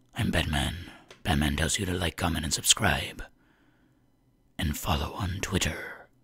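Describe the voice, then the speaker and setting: A man whispers in a gravelly, put-on character voice at a moderate pace. Long pauses come often. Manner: menacing, dramatic.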